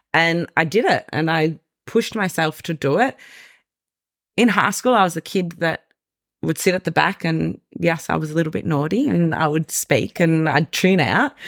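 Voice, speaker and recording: A woman speaks in a fairly low pitch with lively intonation and vocal fry. The sound is dry and close with no echo, on a very clean recording with a silent background. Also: moderate pace. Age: 30s. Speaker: style coach. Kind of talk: casual chat.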